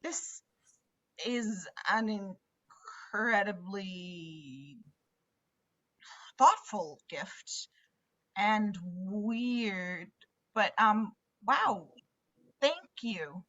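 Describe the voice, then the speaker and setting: A woman's voice: medium pitch, animated, sharp tone, heavily acted. A woman playing an awkward, sincere young woman in a screenplay table read, speaking hesitantly on a slightly dull mic. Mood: stunned, touched. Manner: hesitant, halting.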